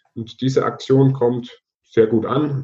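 A man speaks at a fairly slow pace in a somewhat breathy voice. His intonation is fairly even. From Franconia, Würzburg. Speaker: startup founder, trained roofer. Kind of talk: interview. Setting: remote call. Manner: halting, many filler sounds.

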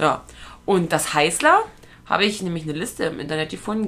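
A woman's fairly low pitch with ordinary pitch variation. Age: 20s. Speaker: podcast co-host. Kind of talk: casual chat. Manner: animated.

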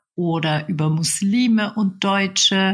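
A woman with a somewhat breathy voice speaks at a medium pitch. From Germany, Nuremberg. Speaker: journalist and author. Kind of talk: interview.

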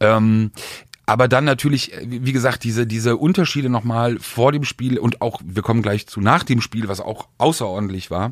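Ordinary pitch variation and a moderate pace come from a plain, everyday voice. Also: man, medium pitch for a man. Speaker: podcast host, former music journalist. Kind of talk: casual chat.

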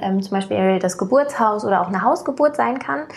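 Noticeable background noise sits behind a woman's medium-pitched voice. Her intonation is lively. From Heidelberg. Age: 20s. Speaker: midwife. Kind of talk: casual interview. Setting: kitchen at home.

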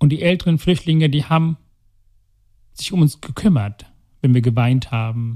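Somewhat breathy, a man speaks at a moderate pace with a dark, mellow tone and ordinary pitch variation. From Sri Lanka. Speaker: heart surgeon and author. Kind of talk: interview, personal life story.

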